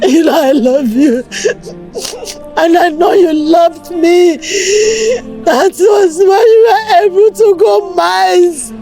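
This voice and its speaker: A woman plays a grieving wife, sobbing as she pleads with her husband's body. Her voice sits high yet sounds mellow and dark, and her words come out slow and heavy. Faint music plays under her. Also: exaggerated voice. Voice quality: tearful, pleading. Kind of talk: film acting.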